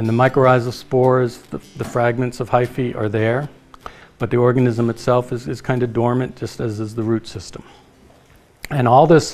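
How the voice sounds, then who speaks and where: Faint music plays in the background as a man talks at a moderate pace with fairly even intonation. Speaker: presenter. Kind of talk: lecture. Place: kitchen.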